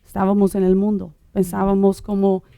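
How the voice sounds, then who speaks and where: A middle-aged woman born in Uruguay telling her personal testimony in conversation, halting, with many fillers and restarts. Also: medium pitch, monotone, vocal fry, mellow, no room sound, studio quality. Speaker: guest sharing her testimony.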